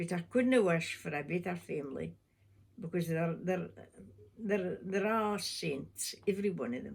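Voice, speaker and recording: In a North East Scottish accent, a woman speaks fairly slowly at a fairly low pitch with vocal fry. Her intonation is lively. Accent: Doric, North East Scottish. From North East Scotland. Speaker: former fishing line baiter and home help. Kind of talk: oral history interview answer.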